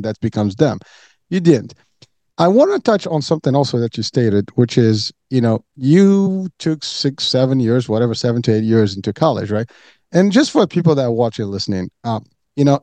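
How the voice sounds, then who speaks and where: Mellow-voiced man, earnest and rambling. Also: mid-range voice, no echo. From Morocco. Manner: earnest, repeats words and says "you know" often. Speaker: podcast host. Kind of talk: casual interview talk.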